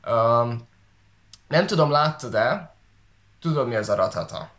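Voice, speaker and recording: A man from Hungary chats casually, often halting to search for the right words. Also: mid-range voice, lively intonation, fairly bright tone. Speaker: online video creator and talk co-host. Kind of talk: casual conversational commentary. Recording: echoey room sound.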